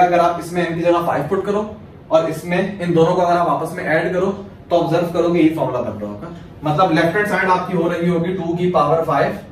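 A male maths teacher from Pakistan giving a lecture, explaining step by step and answering his own questions. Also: sits high. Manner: asks questions then answers them himself. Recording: very echoey room, mic far off, faint hiss.

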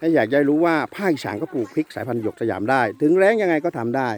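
A man's voice: medium pitch, expressive, racing. A middle-aged man hosting a casual farm vlog outdoors in a chili field, chatting, tagging phrases with polite particles and drifting into moral lecturing. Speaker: farm video host and chili seed promoter.

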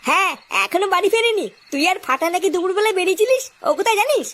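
A woman's voice: extremely high pitch, lively intonation, rapid-fire, a bit bright. A woman voicing a worried, impatient village father, agitated and questioning, in a comedy cartoon. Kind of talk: amateur comedy cartoon dialogue.

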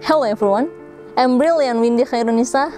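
A woman's voice: on the high side, fairly quick, a little mellow, faint music behind. A young woman from Indonesia, a master's student and scholarship recipient, giving an earnest testimonial. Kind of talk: filmed testimonial. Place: studio set with curtain backdrop.

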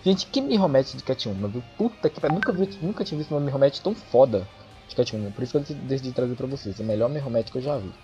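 A man with an excitable, chatty manner who swears often, commentating a fighting-game match for his channel. His voice comes through the dull, lo-fi sound of an old microphone. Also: mid-range voice, fast talker. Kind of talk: casual esports match commentary. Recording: dull lo-fi microphone, faint music behind.

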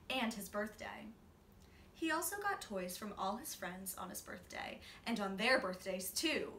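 Bright-voiced young woman reading a storybook. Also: on the high side, far from the mic. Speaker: storybook reader. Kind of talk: expressive children's read-aloud. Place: small indoor room, seated. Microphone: camera a few feet away. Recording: roomy, off-mic, faint noise.

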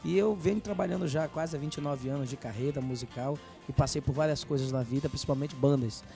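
Gravelly male musician guest, chatty, grateful, music underneath. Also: a little high, fast talker, mellow. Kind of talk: casual interview chat. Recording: live TV studio with music.

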